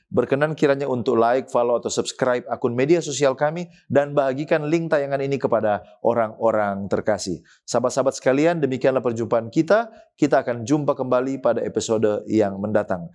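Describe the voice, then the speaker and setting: A man who is a pastor and the host of a church discussion program. He speaks at an ordinary middle pitch, thanking his guest and the viewers with formal courtesy. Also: a little mellow.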